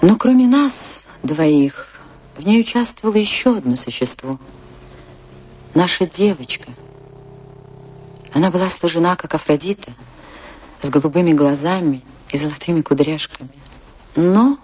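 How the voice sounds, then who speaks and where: A woman's voice: low-pitched, unhurried, long pauses. An actress playing a passionate woman dancer recounting a stormy love affair in a confessional, theatrical radio play manner. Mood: sorrowful, resigned. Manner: theatrical, confessional, emotionally expressive. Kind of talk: dramatic radio play monologue and dialogue.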